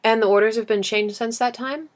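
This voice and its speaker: A woman performs a small, serious boy from a storybook. The voice sits higher and is gently persistent, with earnest curiosity and plain, thoughtful phrasing. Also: steady tone, a little fast, lightly acted. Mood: curious, puzzled. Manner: earnest questioning, simple and thoughtful. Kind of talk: storybook character reading.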